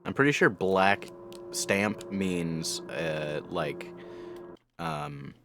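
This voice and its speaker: Deep-voiced man giving casual reaction commentary. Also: lively intonation, a bit bright, faint music behind. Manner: halting, rambling, joking. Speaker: anime reviewer and reaction host.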